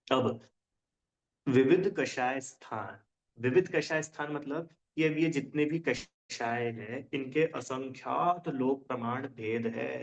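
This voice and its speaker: A man teaching a religion class in casual Hindi. He often checks whether his students understand and explains with everyday examples. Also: medium pitch. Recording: dull lo-fi sound.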